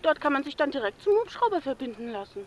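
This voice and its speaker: Woman acting as a pushy caller, high voice, radio play. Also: very animated, fast. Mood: insistent. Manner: insistent. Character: self-assured woman caller misled by the internet.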